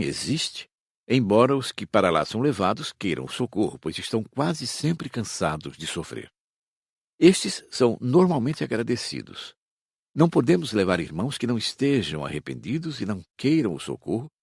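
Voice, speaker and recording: A Brazilian man playing a patient spirit teacher in an audiobook, explaining in a measured, didactic way. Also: fairly low pitch, big pitch swings, vocal fry, husky, dry recording, studio quality, heavily acted. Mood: calm, instructive. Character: patient male spirit teacher instructing his students. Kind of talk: audiobook dramatized reading.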